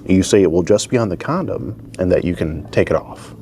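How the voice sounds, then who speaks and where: Low-voiced man questioning calmly. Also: a little fast. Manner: persistent, repeats questions. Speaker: confronting interviewer. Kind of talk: calm confrontational questioning. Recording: noisy ambient background.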